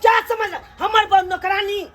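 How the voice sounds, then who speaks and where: A furious village husband with a Maithili accent, voiced by a woman, scolding loudly in a comedy skit. The voice sits very high. Faint music runs under the scene. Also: flat delivery, fairly quick. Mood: angry. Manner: loud, scolding, theatrical.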